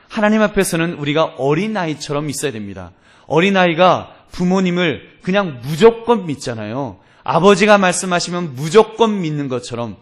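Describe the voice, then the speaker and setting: A male pastor preaching a sermon, addressing the congregation directly and acting out the voices in his stories. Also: fairly high pitch. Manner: animated storytelling, acting out voices in quotes.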